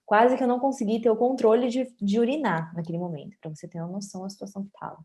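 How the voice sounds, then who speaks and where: Mellow-voiced Brazilian woman in her twenties. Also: medium pitch, steady tone, racing. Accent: Brazilian Portuguese. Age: 20s. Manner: candid, conversational, often adds tag questions. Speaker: interview guest. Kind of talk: personal story in an interview.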